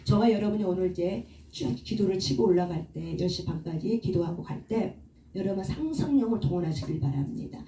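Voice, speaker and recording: A woman's voice: mid-range voice, animated, a little fast, dark tone, slight background noise. Woman preaching in an echoey room. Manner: asks the congregation questions, leads call-and-response. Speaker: prayer meeting leader. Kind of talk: sermon. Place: church prayer room. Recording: echoey room, far from the mic.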